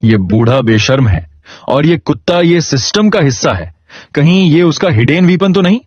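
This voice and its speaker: Man playing a jokey young farmer hero, husky voice, lively pitch, dull recording. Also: moderate pace, no room sound. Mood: jokey, flustered.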